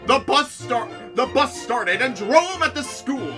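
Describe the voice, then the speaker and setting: Female narrator for comedic story reading; expressive, theatrical, casual, with music playing behind. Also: high voice, measured pace. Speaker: narrator of a group fan fiction reading.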